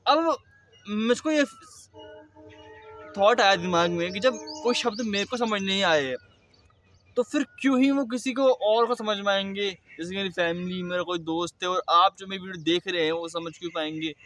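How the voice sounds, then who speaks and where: A young man talking casually to his vlog audience, with a throaty, slightly thick voice that he keeps slow and deliberate, catching on the odd word with a small stammer. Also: high voice, a bit bright, a little hiss or hum. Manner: speaks slowly and deliberately, with occasional stammers. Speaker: vlogger. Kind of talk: casual personal vlog monologue.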